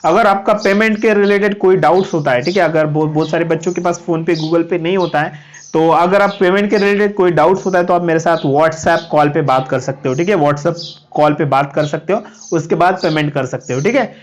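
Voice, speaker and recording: In a brisk, high voice, a chatty online tutor coaches students for cadet exams and pitches his course on a live stream. He repeats himself, says "okay" constantly, and goes through items one at a time as if reading from notes.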